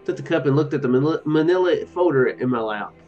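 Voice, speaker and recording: Lively higher-pitched man reading a game aloud. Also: fast. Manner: musing, self-correcting asides. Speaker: video game streamer. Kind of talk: let's play, reading game text aloud with off-the-cuff commentary. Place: small room at home, indoors. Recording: dull lo-fi mic, music behind. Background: game music.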